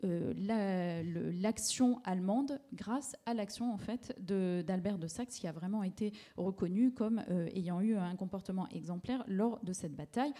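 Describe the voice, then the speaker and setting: A woman's voice: medium pitch, unhurried, few pauses, dark tone. A woman giving a public lecture on paintings, talking through slides with many fillers and restarts. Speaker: art historian lecturer.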